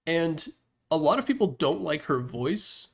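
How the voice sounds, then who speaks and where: A man's voice: fairly high pitch, big pitch swings, unhurried, creaky. A man presenting a ranking video with casual, opinionated commentary, informal and mildly profane, with wry asides. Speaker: presenter of a tier list slideshow video.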